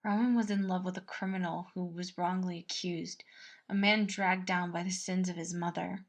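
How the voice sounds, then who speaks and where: Woman narrating fiction with creaky voice. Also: lowish voice, level tone, moderate pace. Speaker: fan-fiction podfic reader. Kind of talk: scripted story narration.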